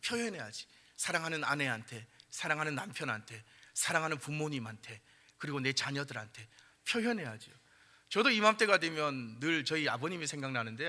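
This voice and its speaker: A middle-aged man preaching a sermon in a chatty style with many fillers, growing louder and higher when he stresses a point. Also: long reverb tail. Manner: conversational, frequent fillers, rises in pitch and volume when emphasizing. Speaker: pastor.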